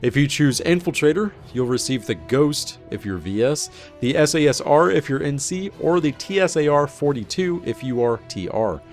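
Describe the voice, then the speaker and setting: A man's voice: a little high, animated, normal speed, few pauses, faint music behind. A man hosting a gaming video, reading scripted update narration in an informal presenter style. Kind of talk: scripted patch-notes narration.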